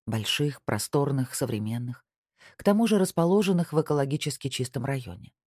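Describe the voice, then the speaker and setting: An audiobook narrator reading a novel in an even, unhurried storytelling manner. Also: medium pitch, dry recording, studio quality. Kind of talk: scripted narration.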